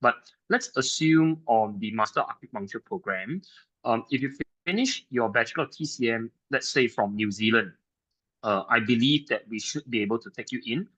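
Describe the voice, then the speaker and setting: Man answering questions, bright tone. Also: mid-range voice, lively intonation, normal speed, rough recording. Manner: hedging, frequent "right?" tags. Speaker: practitioner panelist. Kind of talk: live Q&A answers.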